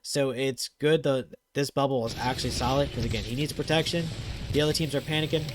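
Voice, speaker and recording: A man hosting a gaming channel, giving casual commentary over viewer clips; he talks fast and gets excited, with lots of fillers. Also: mid-range voice, noisy background.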